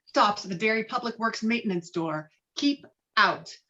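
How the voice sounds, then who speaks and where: A woman reading screenplay stage directions with dramatic, expressive delivery over a video call. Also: fairly high pitch, normal speed, lo-fi sound. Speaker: stage directions reader at a table read.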